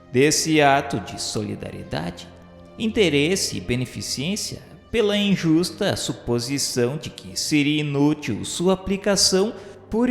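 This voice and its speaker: Male narrator for a radio novel, grave and measured delivery, long echo, soft music underneath. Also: mid-range voice, gravelly. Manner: formal, measured, grave reading. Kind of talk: solemn scripted narration of a spiritist radio novel.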